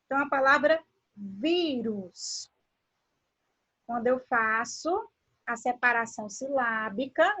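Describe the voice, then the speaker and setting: A woman teacher, speaking unhurriedly and stretching out each example word. Her voice sits fairly high and has a soft, husky edge. She keeps putting questions to the class as she explains. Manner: slow, drawn-out word pronunciation with questions to the class. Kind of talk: classroom grammar lesson.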